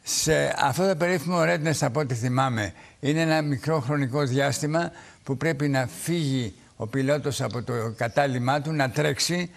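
A man's voice: on the high side, gravelly. A middle-aged man hosting a studio talk show, asking probing questions in a conversational way.

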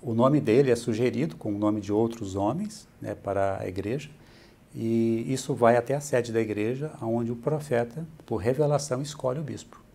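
A man's voice: mid-range voice, normal speed. A middle-aged man with a Brazilian accent, a church bishop patiently explaining things as an interview guest, often adding "né". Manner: steady, explanatory, adds "né" often. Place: bright furnished room, indoors.

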